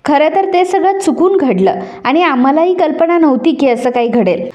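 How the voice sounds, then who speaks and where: Woman reading as a playful young wife in a storybook recap; high, soft tone, teasing. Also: expressive, moderate pace. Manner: chatty, teasing.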